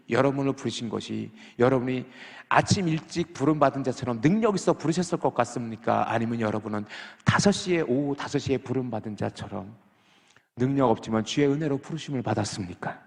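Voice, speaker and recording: Animated pastor preaching in a reverberant church. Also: male voice, mid-range voice, creaky. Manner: animated, asks the congregation questions, acts out complaints. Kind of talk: sermon. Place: church sanctuary. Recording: long reverb of a church hall.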